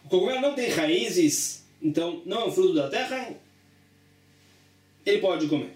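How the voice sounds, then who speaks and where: A man with a high voice teaches a religious study lesson. He reads a passage, then explains it in plain, repetitive steps. He is recorded from a distance in an echoey room. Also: lively intonation, normal speed. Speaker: Talmud teacher.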